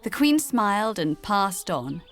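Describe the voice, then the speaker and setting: A woman's voice: mid-range voice, very animated, unhurried, faint music behind. A woman reading scripted narration as a storyteller. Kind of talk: scripted narration for a drama reel.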